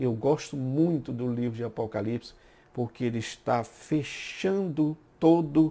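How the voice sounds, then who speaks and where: A woman speaks at a very slow pace, her tone dark and mellow. Her intonation is lively. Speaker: Bible teacher. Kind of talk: Bible lesson commentary.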